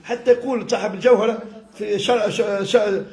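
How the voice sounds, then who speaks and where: A man's voice: sits high, steady tone, moderate pace, darkish tone. A man with a Tunisian accent giving an informal religious lesson, mixing classical Arabic with dialect, explaining by repetition and everyday examples. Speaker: religious teacher, sheikh. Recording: echoey room.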